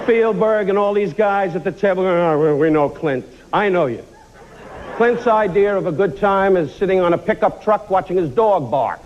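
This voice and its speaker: A man's voice: high-pitched, moderate pace, lo-fi sound, noisy background. An older man delivering a roast speech, full of teasing, mock-sincere put-downs. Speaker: roast speaker.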